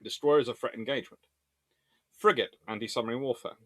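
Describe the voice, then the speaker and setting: A naval history video host runs an informal explainer and viewer Q&A, reasoning through debates in a discursive, emphatic manner. His mid-range voice moves quickly, and the recording is dry.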